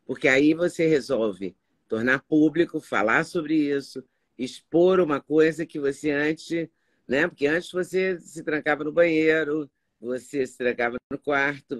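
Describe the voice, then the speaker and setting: A woman's voice: low-pitched, a little slow. A Brazilian woman hosting an interview, asking questions and telling chatty anecdotes. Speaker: interviewer, host. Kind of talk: casual interview chat.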